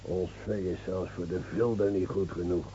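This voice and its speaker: An actor playing a bitter mountain winegrower in a radio play, grumbling and complaining. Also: male voice, deep voice, fairly even intonation, moderate pace, warm tone, natural voice. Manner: grumbling, embittered. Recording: muffled, noisy old radio recording with hum.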